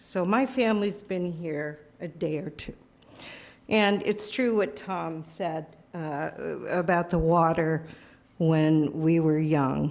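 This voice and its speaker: Speaking very slowly with an American accent, this voice leaves long, frequent pauses, shows ordinary pitch variation, and carries audible room echo. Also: woman, fairly low pitch for a woman. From Bridgewater, Massachusetts. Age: 70s. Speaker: resident speaking at public comment. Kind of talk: public comment at town meeting. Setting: town council meeting. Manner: hesitant, many filler words.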